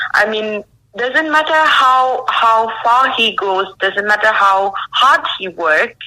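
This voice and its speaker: A woman with a Sri Lankan accent talks very slowly at a fairly high pitch. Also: lively intonation. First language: Sinhala. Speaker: journalist. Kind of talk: interview. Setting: internet radio show.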